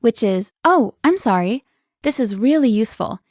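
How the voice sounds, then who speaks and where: A woman hosting a language lesson, explaining words clearly in an upbeat, scripted way. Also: on the high side, animated, moderate pace, a little mellow, no room sound, clean studio sound.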